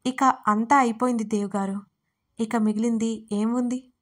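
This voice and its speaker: A gentle, reserved young woman who speaks softly and briefly, as a woman narrator voices her. The voice is fairly high. It is read in a plain storybook manner. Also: steady tone, normal speed, close to an everyday voice. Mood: subdued.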